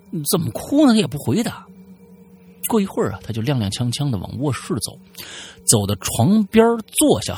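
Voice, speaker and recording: A man's voice: medium pitch, darkish tone, breathy edge. A man hosting a storytelling podcast, narrating a listener's tale in a chatty way with frequent stammered repeats.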